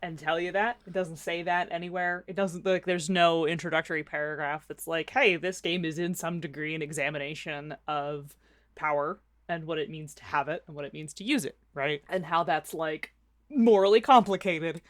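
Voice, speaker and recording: A woman with a fairly low voice hosts a podcast in a relaxed, chatty way. She pokes fun at herself and laughs easily. The recording is close and dry. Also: moderate pace, no echo. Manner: chatty, self-deprecating, laughs often. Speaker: podcast co-host. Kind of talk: casual podcast chat and ad read.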